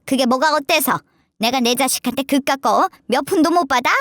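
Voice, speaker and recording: A woman's voice: high-pitched, fairly quick, fairly bright tone, dry recording, clean studio sound. A woman voicing a scornful, nagging older mother-in-law who scolds sarcastically.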